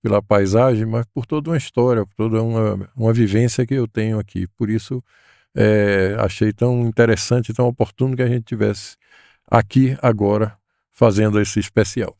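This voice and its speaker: A man, a guest recalling his life in a thoughtful, hesitant way with many pauses and fillers. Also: on the low side, fairly even intonation, vocal fry, a little mellow, no room sound, studio quality. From Salvador, Bahia, Brazil. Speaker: guest, educator. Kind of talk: relaxed interview conversation.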